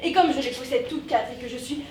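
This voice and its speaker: A woman's voice: high-pitched, fast, distant mic, lightly acted. A young woman playing a pompous, pedantic male doctor in a stage comedy, lecturing in long declamatory lists. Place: theatre stage. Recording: roomy stage sound from afar, faint noise.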